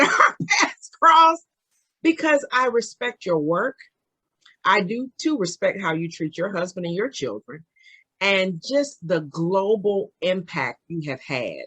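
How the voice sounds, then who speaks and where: Podcast host, husky, earnest, affirming, dry close recording. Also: mid-range voice, sharp tone, no room sound. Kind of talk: interview conversation.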